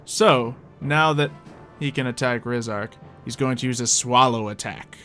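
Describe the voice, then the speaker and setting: A man casually running a tabletop roleplaying game as game master, in an animated, informal manner. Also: medium pitch, measured pace, soft background music.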